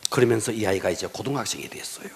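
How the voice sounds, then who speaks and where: A middle-aged male pastor telling a story in a sermon, dropping to hushed whispers and then rising to emphatic lines. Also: lowish voice, very fast. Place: church sanctuary.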